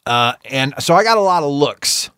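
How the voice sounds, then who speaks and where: A man co-hosting a casual podcast chat. His pitch swings widely as he tells a story and acts out what other people said. He laughs often, and the sound is dry and close. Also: lively intonation, moderate pace, pushed and bright, smooth, dry recording. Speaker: podcast co-host.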